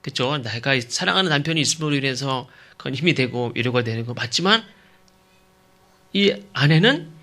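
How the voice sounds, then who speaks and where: Bright-voiced pastor preaching a sermon. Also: male voice, mid-range voice. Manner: emphatic, asks rhetorical questions; checks in with the congregation.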